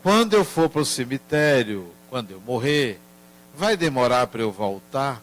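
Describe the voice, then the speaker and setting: A man voicing his sad four-year-old grandson, speaking softly and plaintively through tears. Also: mid-range voice, big pitch swings, unhurried. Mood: sad, tearful.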